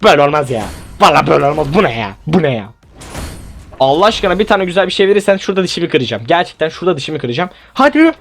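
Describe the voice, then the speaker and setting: A young man commentates on gameplay in a casual, animated way, pleading with the game and exclaiming when things go wrong. His voice sits on the higher side. Soft music plays underneath. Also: very fast, creaky. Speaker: gaming YouTuber.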